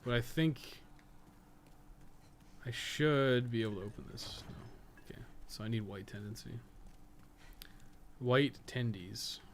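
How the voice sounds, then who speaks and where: Casual man streaming games over clear background noise. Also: medium pitch, a little slow, pauses often. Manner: informal, swearing, rambling. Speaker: game streamer and podcast co-host. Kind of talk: casual live gameplay commentary, thinking aloud. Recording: clearly noisy stream audio.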